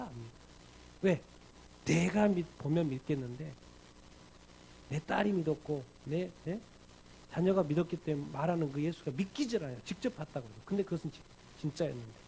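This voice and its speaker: A man's voice: fairly high pitch, gravelly, a little mellow, rough recording. A middle-aged man preaching a Korean-language sermon as pastor, firing rhetorical questions and acting out quoted lines with animation. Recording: faint background noise.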